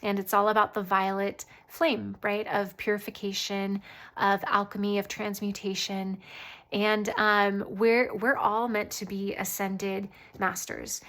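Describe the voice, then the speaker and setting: A woman host giving a casual channeled spiritual reading, often pausing mid-thought as if listening. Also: medium pitch, level tone, fairly bright tone. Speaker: tarot reader and channeler, host.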